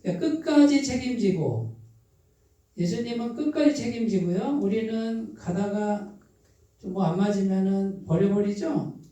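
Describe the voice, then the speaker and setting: A pastor with a Chungcheong accent gives a midweek sermon. The pastor keeps putting questions to the congregation, answers them, and repeats key phrases slowly and softly for emphasis. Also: mid-range voice. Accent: Chungcheong Korean. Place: church sanctuary. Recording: very echoey hall, voice from a distance.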